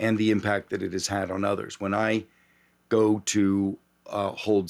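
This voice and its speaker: The speaker has an American accent and a monotone, flat intonation. The recording is very clean, with a silent background. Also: man. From US, southwestern Pennsylvania. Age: 50s. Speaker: leadership coach and entrepreneur. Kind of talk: casual interview conversation.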